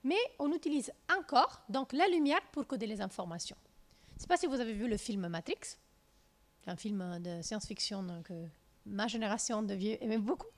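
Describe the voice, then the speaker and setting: A woman from southern Italy in her thirties with an Italian accent, giving a lively physics lecture in a lecture room through a handheld mic, with many fillers and restarts. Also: medium pitch, moderate pace. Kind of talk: lecture with slides.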